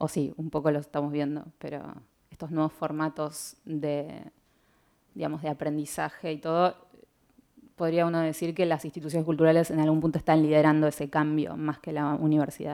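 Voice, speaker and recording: In a very deep, low pitch, a woman speaks with a dark, mellow tone and monotone, flat intonation, on a very clean recording with a silent background. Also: moderate pace. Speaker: public programs coordinator, interviewer. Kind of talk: interview.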